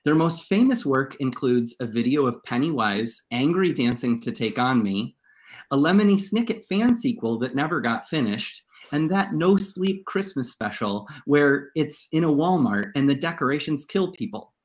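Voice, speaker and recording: Male moderator, thirties, medium pitch, presenting to a panel over a video call. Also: expressive, moderate pace. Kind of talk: reading scripted introductions, moderating a panel.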